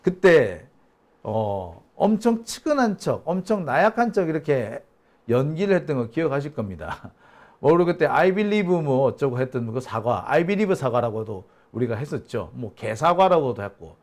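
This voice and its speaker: A man's voice: mid-range voice, sing-song, moderate pace, darkish tone. A man hosting a live political commentary stream, talking in a combative, mocking way with bursts of swearing, and reading out viewer chat comments. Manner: combative, mocking, profane outbursts. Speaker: political commentary channel host.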